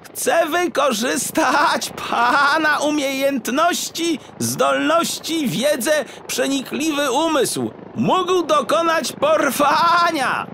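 A man voicing a smug, courteous frog official in a children's audiobook, croaking and drawing out his words theatrically. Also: very high-pitched, expressive, takes it slowly, bright, forceful tone, a little hiss or hum, pitched above the performer's own voice, exaggerated voice. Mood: flattering, grave. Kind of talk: audiobook character acting for children.

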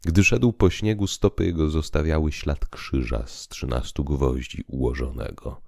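Very deep, solemn priest played by a man. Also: gravelly, darkish tone, dry recording, clean studio sound, exaggerated voice. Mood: grave, mysterious. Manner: solemn, deliberate, oratorical. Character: calm, grave priest telling visionary tales. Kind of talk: dramatized literary audiobook reading.

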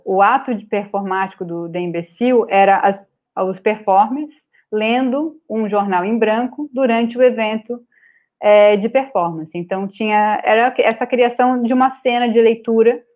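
A woman with a Brazilian Portuguese accent giving an online lecture over slides, pausing often with fillers and restarts. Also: mid-range voice, narrow, tinny audio. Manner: hesitant, many filler "é" and restarts. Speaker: guest speaker on art publishing. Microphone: video call webcam.

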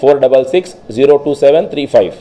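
Shop owner at a press event, very dark and mellow voice, measured promotional delivery into a bank of microphones. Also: male voice, mid-range voice, lively intonation, a little hiss or hum, poor audio. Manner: promotional, listing services and phone numbers. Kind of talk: press statement. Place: crowded shop indoors. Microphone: cluster of press microphones on table.

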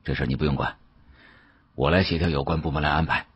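A man voicing a stolid, cautious male security officer in an audiobook, measured and businesslike. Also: very deep voice, steady tone, breathy edge, lo-fi sound, pitched below the performer's own voice. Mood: firm.

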